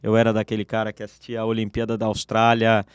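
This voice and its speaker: A man, a radio guest telling his life story in a relaxed, personal way. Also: on the low side, quick pace, clear, resonant tone, no room sound, studio quality. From Brazil. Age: 40s. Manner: relaxed, personal, with restarts and fillers. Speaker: guest, entrepreneur. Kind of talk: interview storytelling. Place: radio studio.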